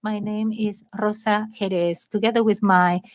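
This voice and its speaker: A woman working as a live interpreter, rendering a formal speech in measured, halting phrases. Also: mid-range voice, fairly even intonation.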